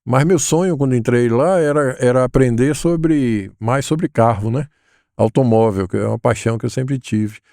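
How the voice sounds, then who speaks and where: Older man, mellow reflective voice. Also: mid-range voice, moderate pace, vocal fry, no room sound, studio quality. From Salvador, Bahia, Brazil. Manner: thoughtful, hesitant, many fillers. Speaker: guest, educator. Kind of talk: relaxed interview conversation.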